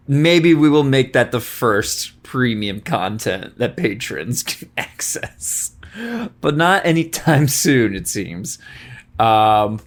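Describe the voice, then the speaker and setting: A man co-hosting a casual podcast, wry and joking, laughing often. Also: medium pitch. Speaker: podcast co-host.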